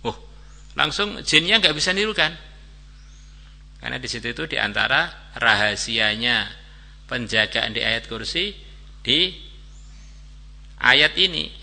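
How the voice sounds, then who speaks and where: A male preacher telling a story in a relaxed, colloquial sermon and chanting short Arabic verses along the way. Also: mid-range voice, measured pace, vocal fry, long pauses.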